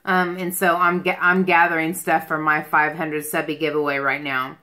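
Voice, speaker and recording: Woman, forties, bright forward voice, slightly low pitch, casual livestream chat, rambling. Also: flat delivery, moderate pace. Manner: rambling, jumps between topics. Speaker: beauty livestream host. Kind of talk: casual livestream chat answering viewer questions. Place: small furnished room at home, indoors.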